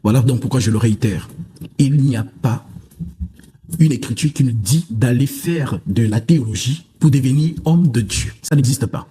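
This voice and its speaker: A man with a very husky, breathy voice and a mellow, dark tone speaks at medium pitch. He preaches his case in a televised debate, sure of himself and dismissive of his opponent. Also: moderate pace. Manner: self-assured, boastful, dismissive.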